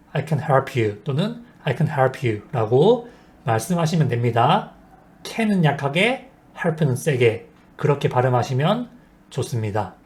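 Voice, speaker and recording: A man teaching a basic English lesson, explaining sentence patterns slowly and modeling each example sentence. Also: a little high, a little mellow. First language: Korean. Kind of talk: scripted language lesson.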